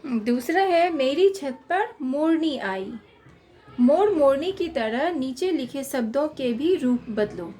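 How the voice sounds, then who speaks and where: Lady teacher with a high voice, talks really slow, reads the questions and dictates answers for little kids. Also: expressive, dark tone. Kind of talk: workbook lesson for young children.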